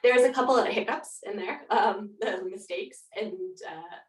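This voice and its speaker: A woman's voice: medium pitch, moderate pace. A woman speaking as a guest author, answering conversationally in an interview. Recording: roomy, distant from the mic.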